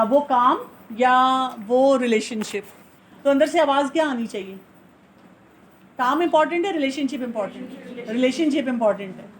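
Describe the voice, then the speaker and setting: A woman with a high voice gives instructive advice, earnest and patient. She poses questions and answers them herself, slipping English phrases into her talk. A faint background noise sits under the recording. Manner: explains by asking and answering her own questions. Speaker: family counselor.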